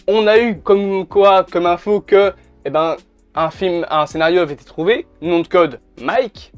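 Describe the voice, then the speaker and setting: A man's voice: high voice, unhurried, clear, resonant tone, dry recording, muffled recording. A man, chatting casually and bluntly to camera, swearing now and then. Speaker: YouTuber. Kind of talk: casual video commentary. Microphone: camera mic. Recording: faint background music.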